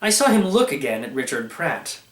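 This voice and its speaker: A man reading a short story aloud as narrator, in an expressive scripted style. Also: medium pitch, moderate pace. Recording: echoey room.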